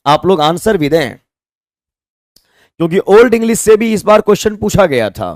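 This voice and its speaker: A very animated man with a high voice and a Hindi-speaking Indian accent teaches an online exam-prep English class at normal speed, in clean, dry studio sound. Mixing Hindi with English, he spells words letter by letter and asks viewers to comment their answers.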